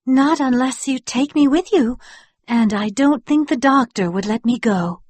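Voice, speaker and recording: A man doing a gentle young wife in a high soft voice. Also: measured pace, no echo. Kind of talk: audiobook character voice.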